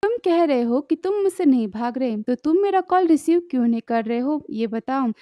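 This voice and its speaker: A woman's voice: sits high, animated, normal speed, dark tone, dry recording, clean studio sound. A woman reading a worried, teasing young man.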